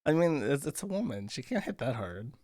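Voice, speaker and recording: A man's voice: mid-range voice, sing-song, fairly quick, a little mellow, no echo, clean studio sound. Man rambling through a profane story. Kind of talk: casual chat.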